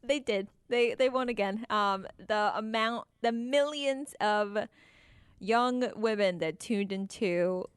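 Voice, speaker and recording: A woman's voice: a little high, takes it slowly, smooth, no room sound, studio quality. A woman co-hosting a casual business podcast, chatty and amused. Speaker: podcast co-host. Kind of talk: casual chat.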